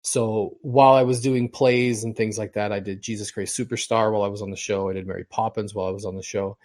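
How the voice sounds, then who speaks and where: A man's voice: fairly low pitch, fairly even intonation, fast talker, darkish tone. A middle-aged man co-hosting a casual podcast, telling long rambling stories and often repeating himself. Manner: rambling storyteller, repeats and restarts words. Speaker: podcast co-host.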